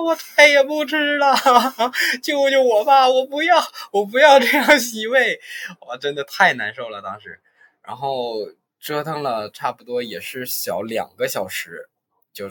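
A young man casually telling childhood stories on a podcast, halting and restarting as he goes. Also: mid-range voice, breathy edge. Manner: halting, many restarts, lively retelling. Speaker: podcast host. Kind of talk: casual storytelling.

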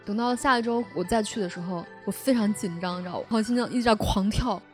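Young woman from shaanxi rattling off a story fast, laughs a lot, keeps asking you know?. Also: mid-range voice, faint music behind. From Shaanxi, China. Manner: animated, laughs often, frequent tag questions. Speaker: podcast host. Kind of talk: casual storytelling chat.

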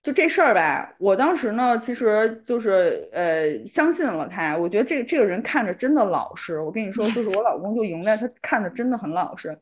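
A woman, co-hosting a podcast and telling a personal story in animated casual chat, laughing often. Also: medium pitch, fairly quick, few pauses. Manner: chatty, animated, laughs often, repeats "I tell you". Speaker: podcast co-host.

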